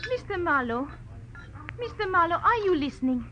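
A woman playing a gentle, anxious client with a slight French accent, urgent and pleading, in 1940s radio drama style. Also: very high voice, big pitch swings, normal speed, music in the background. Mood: worried, urgent. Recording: muffled vintage radio recording.

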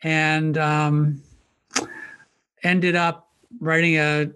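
A thoughtful man in his sixties from Maryland, United States, appears as a guest on a conversational podcast interview; he is a New Testament professor. His voice sits on the high side, clear and resonant, pushed and bright, with a flat delivery. He speaks in a measured way, with frequent restarts and ums.

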